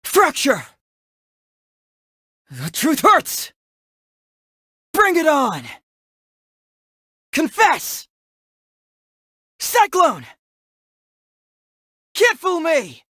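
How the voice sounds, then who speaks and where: A man's voice: very high voice, wildly swooping pitch, extremely slow, long pauses, bright, forceful tone, dry recording, studio quality, heavily acted. A man voicing a cheeky, confident young male detective in a video game, with breezy, playful, theatrical phrasing. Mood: battle shouts. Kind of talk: scripted game character voice lines.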